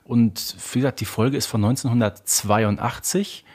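A man in his thirties with a husky, slightly rough voice at a medium pitch. He talks as a podcast co-host in a conversational discussion style. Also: moderate pace. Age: 30s.

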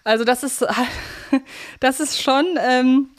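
A woman's voice: high-pitched, steady tone, slow pace, clear, resonant tone. A woman co-hosting a podcast, chatting casually in a wordy, playfully analytical way. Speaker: podcast co-host. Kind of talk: casual chat, analysing a radio play.

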